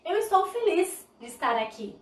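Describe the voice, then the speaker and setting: Uma mulher com sotaque brasileiro, dando uma aula online ao vivo de língua de sinais, animada e demonstrativa, falando direto com os espectadores. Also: female voice, extremely high pitch, moderate pace, echoey room, recorded from a distance. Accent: Brazilian Portuguese. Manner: lively, demonstrative, talks to viewers directly. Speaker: sign language teacher. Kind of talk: live online lesson. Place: indoor room, live stream.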